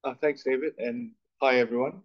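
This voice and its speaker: A man's voice: mid-range voice, fairly even intonation, fairly quick. A middle-aged man from Malaysia, a guest speaker, telling his story in a chatty, self-deprecating way with many restarts. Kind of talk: conversational interview on stage. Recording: dull lo-fi recording.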